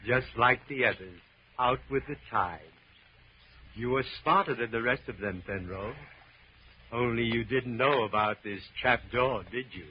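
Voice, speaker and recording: An actor playing a wheedling, murderous crook with an oily, theatrical delivery in a 1940s radio crime drama. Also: male voice, medium pitch, unhurried, natural voice. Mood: gloating. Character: wheedling, sly, murderous double-crossing male crook. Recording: muffled, noisy old radio recording.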